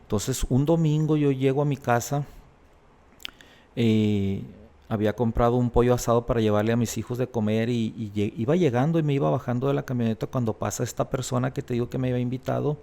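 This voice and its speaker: Gravelly-voiced man telling his story. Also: mid-range voice, a little fast, dark tone. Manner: earnest, reenacts dialogue in quoted voices. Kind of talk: personal testimony in an interview.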